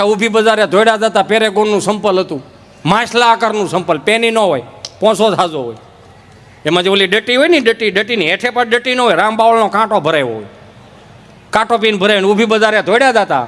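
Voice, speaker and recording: A man's voice: high voice, fairly quick, in a large hall. A man telling folksy village stories on stage as a comedian. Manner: folksy, lively, acts out village characters. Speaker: stand-up comedian. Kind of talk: folk humor storytelling on stage.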